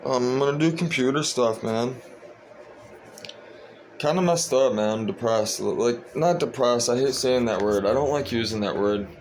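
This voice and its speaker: Sleepy young guy vlogging from home, flat and meandering, with a faint hiss under the voice. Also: mid-range voice, normal speed. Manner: monotone, meandering, frequent fillers. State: tired, sleepy. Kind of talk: casual rambling vlog.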